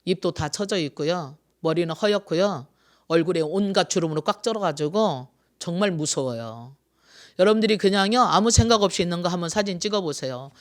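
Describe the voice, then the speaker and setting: Pastor, 60s, Sunday sermon, rhetorical questions, repeated phrases, loud emphasis then quiet asides. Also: mid-range voice, animated, brisk.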